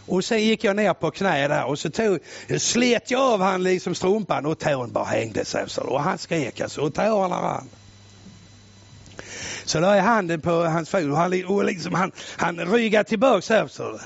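A male preacher telling a story in a sermon, loud and exclamatory, swinging from shouting to hushed tones. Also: high voice, expressive, vocal fry, slightly rough, no room sound. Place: church. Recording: muffled lo-fi recording.

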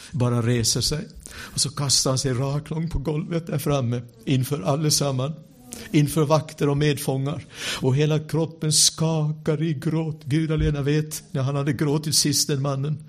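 Man telling a lively sermon story. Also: medium pitch. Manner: animated storyteller with wry asides; drops to a hush for quiet moments. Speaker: preacher.

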